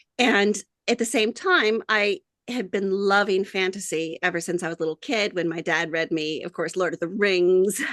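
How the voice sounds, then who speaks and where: Speaking with an American accent, a woman talks at a moderate pace and a medium pitch with ordinary pitch variation. The sound is dry and close with no echo, and the background is quiet. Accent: American, slight British shift. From United States. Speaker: fantasy author. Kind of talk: podcast interview.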